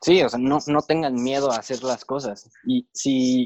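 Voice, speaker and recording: Fairly slow speech from a man at medium pitch, dry and close with no echo, over a quiet background. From Mexico, Querétaro. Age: 20s. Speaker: podcast co-host, marketing entrepreneur. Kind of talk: casual chat. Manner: halting, many repetitions.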